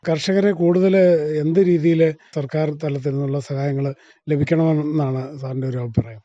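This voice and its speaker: A man's voice: fairly high pitch, normal speed, dark tone, no echo. A man, asking questions as a radio interviewer. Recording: dull, muffled radio recording.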